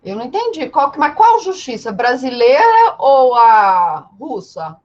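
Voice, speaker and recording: Animated, high-voiced Brazilian woman teaching. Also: unhurried, highs cut off. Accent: Brazilian Portuguese. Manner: didactic, full of rhetorical questions and repetition. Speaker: law teacher. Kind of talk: live online lecture, informal and conversational.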